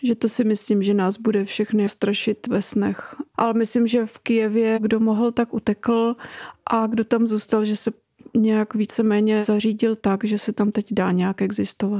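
Her fairly high pitch pairs with a dark, mellow tone as this woman speaks at a fairly slow pace in a monotone, flat delivery, the sound dry and close with no echo. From Czechia, Broumov region (born in Kyiv). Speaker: poet and editor. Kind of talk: interview. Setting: studio.

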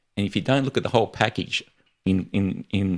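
With an Australian accent, a man talks at a moderate pace in a fairly low pitch with ordinary pitch variation. The sound is dry and close, with no echo. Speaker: voluntary assisted dying advocate. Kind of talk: interview. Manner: halting.

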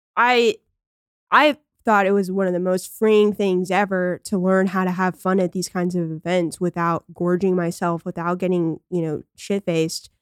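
A woman with a Southern US accent speaks at medium pitch and a moderate pace with fairly even intonation. The sound is dry and close with no echo, in a very clean recording with a silent background. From Tennessee, Nashville. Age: 20s. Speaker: fitness challenge participant, mother. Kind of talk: casual chat.

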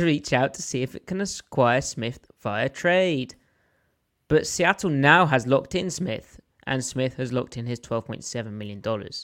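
On a very clean recording with a silent background, a man speaks with an English accent. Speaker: podcast host. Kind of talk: casual sports analysis chat.

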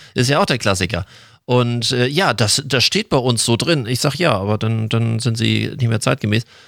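A man with a medium-pitched voice talks at a moderate pace in a normal speaking voice, with ordinary pitch variation and very even loudness, on a very clean recording with a silent background. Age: 50s. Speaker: management consultant and podcast host. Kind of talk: casual chat.

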